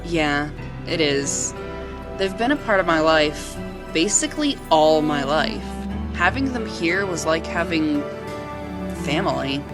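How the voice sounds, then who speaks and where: A woman playing a kindly local who befriends forest creatures in an audio drama, talking in a gentle, earnest, storytelling way. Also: deep voice, lively intonation, slow pace, over music. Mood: wistful. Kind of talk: amateur audio drama acting.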